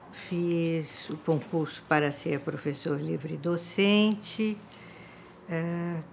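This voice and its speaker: A woman's voice: on the low side, a little hiss or hum. A woman, professor and former museum director, steadily recounting her career in a documentary interview.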